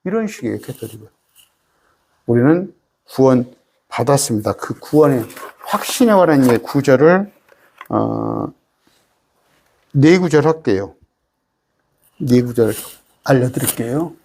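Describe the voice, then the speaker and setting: A man's voice: medium pitch, expressive, unhurried, gravelly, pauses often, a little mellow, slight background noise. A male pastor with a Jeolla accent, preaching an emphatic, folksy Bible study sermon full of rhetorical questions. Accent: Jeolla Korean.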